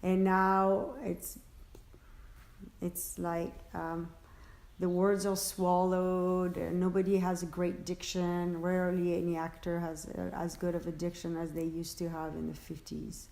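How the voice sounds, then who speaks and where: Low, slow woman. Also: monotone, vocal fry, darkish tone. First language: French. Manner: halting, searching for words with many fillers and restarts. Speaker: interviewee, works as an interpreter. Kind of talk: casual interview answers. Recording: echoey room.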